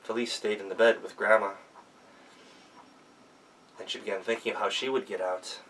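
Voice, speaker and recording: A man telling a folktale as an animated storyteller, recorded at some distance from the microphone. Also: lowish voice, moderate pace, gravelly, slight background noise.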